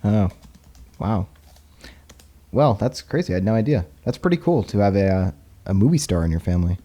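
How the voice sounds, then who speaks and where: A man hosting a casual history podcast, chatty and quick to laugh. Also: on the low side, lively intonation, dark tone. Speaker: podcast host.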